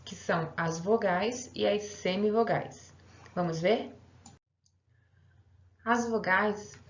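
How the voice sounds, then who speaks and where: A woman teacher giving a recorded online grammar lesson, explaining patiently step by step and checking in with her students. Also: fairly high pitch. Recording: roomy, slightly dull home recording.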